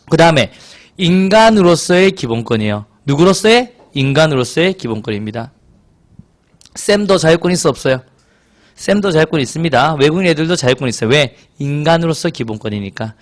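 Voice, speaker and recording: Animated, high-pitched male lecturer. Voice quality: hoarse from excitement. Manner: lively, teasing students, acts out scenes in quoted voices. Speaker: civil service exam social studies lecturer. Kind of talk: classroom lecture with banter. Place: lecture room with students.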